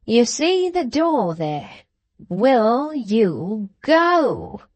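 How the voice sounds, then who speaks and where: A woman voicing a malicious, gleeful dwarf husband from a storybook, taunting with drawn-out, emphatic words. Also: mid-range voice, big pitch swings, a little mellow, dry recording. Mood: threatening, roaring.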